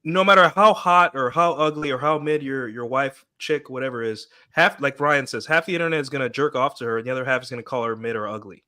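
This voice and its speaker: A man's voice: mid-range voice, fast, few pauses, sharp tone. A man on a casual podcast panel, explaining and arguing his view. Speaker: podcast co-host.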